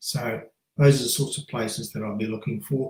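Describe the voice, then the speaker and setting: A man with an Australian accent and very wide pitch swings. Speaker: property market analyst. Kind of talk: live Q&A answering listener questions.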